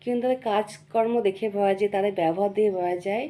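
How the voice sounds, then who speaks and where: A young woman with a cold-roughened, hoarse voice, earnestly lecturing her viewers in a casual monologue and often checking in with them. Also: medium pitch, fast, warm tone. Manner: earnest, preachy, keeps checking in with the listener. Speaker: vlogger.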